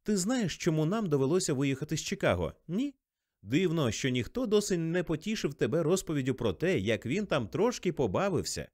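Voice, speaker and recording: A man's voice: on the high side, very animated, brisk, darkish tone, voice pushed up. A man voicing a young society wife, raising his voice into a pleading tone. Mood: scornful.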